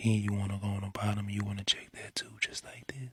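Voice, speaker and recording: Somewhat breathy, a man talks at a fairly quick pace in a dry, close sound with no echo. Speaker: ASMR creator. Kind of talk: comedic ASMR talk to camera.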